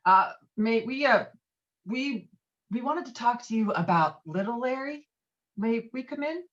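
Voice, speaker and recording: A woman's voice: on the high side, lively intonation, measured pace, lo-fi sound. A woman playing a brash, foul-mouthed, domineering man in a script table read, talking in a blustering, insistent way. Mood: politely loud. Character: brash, foul-mouthed, domineering male friend named Walter. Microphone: video call.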